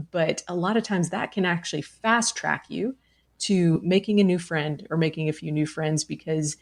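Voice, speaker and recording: A young adult woman who works as a chaplain, answering a radio caller gently and reflectively with many pauses. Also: on the low side, vocal fry. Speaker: chaplain and author. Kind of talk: radio interview.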